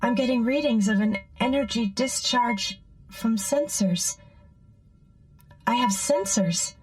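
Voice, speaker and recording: An actress voicing a gentle, caring female artificial intelligence companion in an audio drama, with a measured manner. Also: a little high, music in the background, poor audio. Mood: calm, caring.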